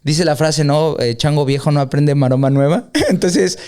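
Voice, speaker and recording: A man's voice: fairly high pitch, moderate pace, darkish tone, clean tone. A man hosting a casual podcast, joking around and asking his guests questions. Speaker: podcast host.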